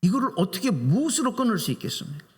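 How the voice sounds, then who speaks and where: A man's voice: sits high, sing-song, quick pace, slightly rough. A male pastor giving a Sunday sermon in a church sanctuary, preaching with animation and putting questions to the congregation. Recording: reverberant church hall.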